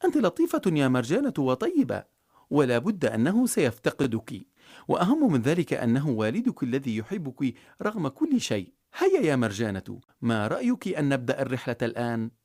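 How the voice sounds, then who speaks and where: A kindly storybook sparrow that soothes a frightened child, as a storyteller puts it on. The voice is husky and swoops widely in pitch, calm and reassuring throughout. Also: brisk. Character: gentle kindly talking sparrow.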